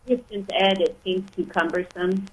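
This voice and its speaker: A woman's voice: medium pitch, fairly even intonation, moderate pace, poor audio. A woman speaks as a guest on a radio show in a radio studio. She talks casually about teaching, starting and restarting her sentences as she works out her thoughts. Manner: hesitant, restarts sentences often. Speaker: author and writing instructor, guest. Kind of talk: casual radio interview talk.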